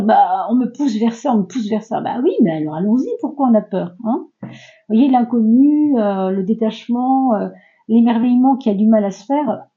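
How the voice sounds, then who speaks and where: A woman's voice: on the high side, dark tone, highs cut off. A woman giving a casual, reassuring tarot reading to her viewers, talking loosely with many fillers. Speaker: tarot reader.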